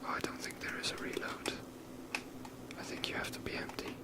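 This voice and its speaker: A person whispering softly and breathily in a casual, rambling ASMR commentary while playing a video game. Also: a little fast.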